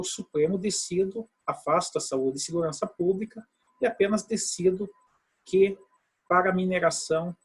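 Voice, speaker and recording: Husky-voiced man teaching a law class. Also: on the high side, rough recording. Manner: explanatory, with many tag questions to students. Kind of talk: online video lecture.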